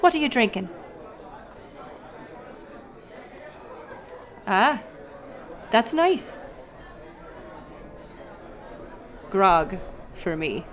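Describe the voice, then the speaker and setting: A woman's voice: mid-range voice, very animated, takes it slowly, fairly bright tone, a faint crowd, heavily acted. A woman playing a bold, sly pirate captain in an audio roleplay, teasing and swaggering as she speaks to the listener. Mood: friendly, relaxed. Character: bold, sly female pirate captain, a notorious tavern storyteller.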